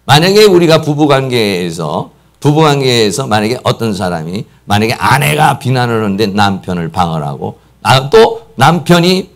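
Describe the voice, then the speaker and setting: A middle-aged Korean pastor preaching a sermon emphatically, acting out quotes and piling up repeated words for stress. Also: male voice, mid-range voice, very animated, normal speed, hardly any pauses. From South Korea. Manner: emphatic, acts out quoted speech, repeats "막" often.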